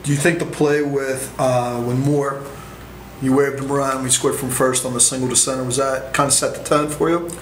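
A man's voice: mid-range voice, steady tone, moderate pace, reverberant, slight background noise. A man, a sports reporter, asking a coach hesitant questions after a game.

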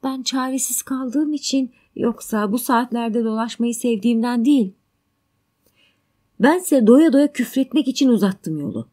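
A woman's voice: a little high, measured pace, dark tone, voice pushed up. A woman voicing a stranded young mother who pours out a bitter, emphatic account of a night in the cold. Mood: bitter, agitated.

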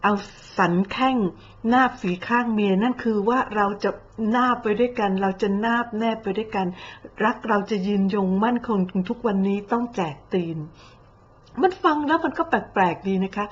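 A woman's voice: on the high side, normal speed, muffled recording. Sarcastic woman in blunt, mocking commentary. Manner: mocking, blunt, coarse slang. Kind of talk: sarcastic social media commentary.

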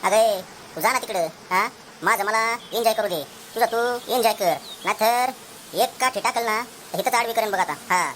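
A woman's voice: medium pitch, normal speed, pauses often, a bit bright, slight background noise, lightly acted. A woman voicing a stubborn, boastful old village man in a comedy cartoon, quarrelsome. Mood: threatening. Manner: quarrelsome, rustic, insulting. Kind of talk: Marathi comedy cartoon dialogue.

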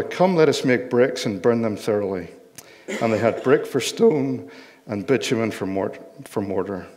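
An older man with a Northern Irish accent preaching a sermon in a measured, explanatory way from a church stage. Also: on the low side, a little mellow. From Northern Ireland. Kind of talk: sermon with Bible reading. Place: church hall, speaking from lectern on stage. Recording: long hall reverb.

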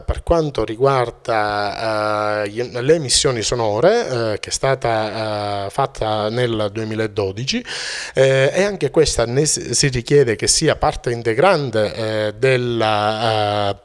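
A middle-aged man with a Sicilian Italian accent speaking formally into a handheld mic in a local TV interview, pausing often with "eh" fillers. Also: mid-range voice. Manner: formal, hesitant, many "eh" fillers. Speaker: consumer association representative. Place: indoors, plain room. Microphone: handheld interview mic held close.

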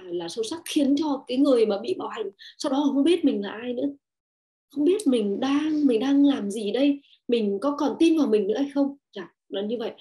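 A woman's voice: fairly high pitch, dark tone. A woman giving an online talk on parenting and relationships, hesitant and full of fillers, acting out quoted lines in a raised voice.

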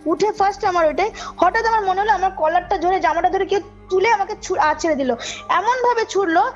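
High-voiced woman storyteller on muffled call. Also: a little fast. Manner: emphatic, checks the listener follows. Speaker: caller telling a personal ghost story. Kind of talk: animated informal storytelling. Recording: muffled call audio under loud music. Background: background music.

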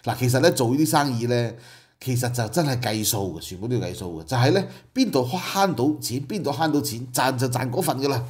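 A man's voice: mid-range voice, animated, brisk. A middle-aged man with a Hong Kong Cantonese accent, hosting casual commentary and walking through business figures with asides and rhetorical questions. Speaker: political commentary host.

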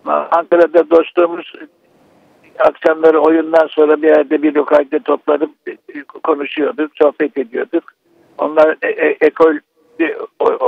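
A man calling in to a radio show over a phone line, speaking haltingly with many restarts as he grieves. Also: a little high, gravelly, dry recording. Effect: radio show caller on a phone line. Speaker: actor phoning in to a broadcast.

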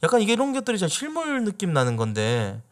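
A young man from South Jeolla chatting casually as a host, reacting with quick exclamations and slang. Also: high-pitched, wildly swooping pitch. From South Jeolla, Korea. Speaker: YouTube host.

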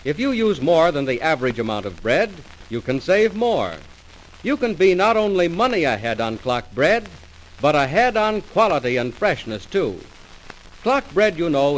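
A man's voice: fairly high pitch, poor audio. A man announcing an old-time radio commercial with folksy, persuasive sales patter on a hissy old transcription recording.

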